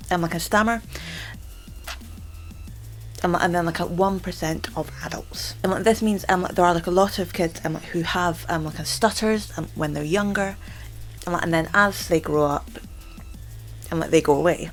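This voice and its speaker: A young woman with a low voice talks casually to the camera about herself. Her speech catches and repeats as she stammers, with many fillers. Soft music plays faintly behind her. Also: moderate pace, long pauses. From Scotland. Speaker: channel host. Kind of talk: casual vlog chat.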